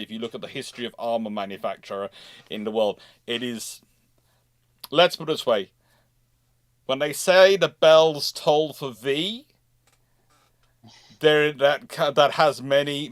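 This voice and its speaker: This livestream host, a man with a medium-pitched voice, chats casually in an emphatic, rambling way, repeating words while he finds his footing. The sound is dry and studio-clean.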